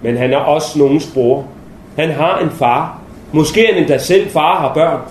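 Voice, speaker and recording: A man playing a stern, earnest male army captain, speaking low, quiet and insistent, in a roomy space with faint noise. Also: lightly acted.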